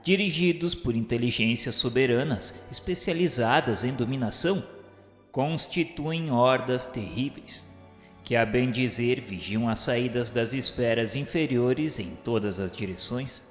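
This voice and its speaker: Male Brazilian narrator for spiritual radio drama: solemn, literary, instructive delivery, mid-range voice, long reverberant tail. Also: medium pitch. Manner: formal, measured, didactic. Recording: echoey hall reverb, music underneath. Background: music.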